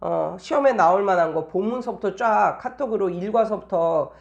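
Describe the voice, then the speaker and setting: A woman's voice: medium pitch, moderate pace, creaky, a little mellow, dull audio. A woman tutor talking casually in an anecdotal monologue, explaining things and repeating phrases for emphasis. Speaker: private English tutor giving teaching tips.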